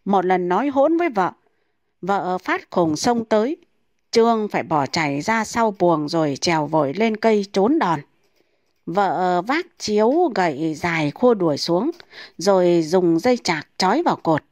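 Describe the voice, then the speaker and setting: A woman reading comic folk tales aloud in a brisk, steady storytelling manner. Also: on the low side, no echo.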